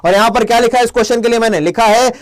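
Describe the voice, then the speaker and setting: Young man, Hindi accent, high voice, playful online English teacher, scolds the chat. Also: steady tone, rapid-fire. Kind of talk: live class with quiz questions.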